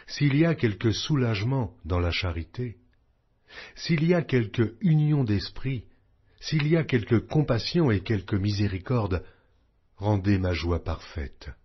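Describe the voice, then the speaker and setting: A man giving a solemn, scripted audiobook reading of scripture in measured, declamatory phrases. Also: lowish voice, breathy edge. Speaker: audiobook Bible reader. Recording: dull, lo-fi audio.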